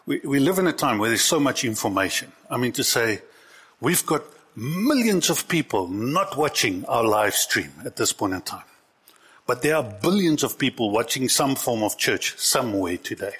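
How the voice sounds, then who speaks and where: A man's voice: mid-range voice, very animated, normal speed, a bit bright, breathy edge. A man preaching a conversational sermon to his congregation as pastor. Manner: conversational preaching, shifts into acted quotes.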